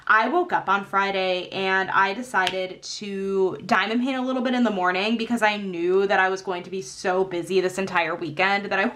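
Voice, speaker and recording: Chatty young woman, slightly hoarse. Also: mid-range voice, pushed and bright, a little hiss or hum. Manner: rambling, chatty, laughs often, many fillers. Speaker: craft vlogger. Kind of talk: casual chat while crafting.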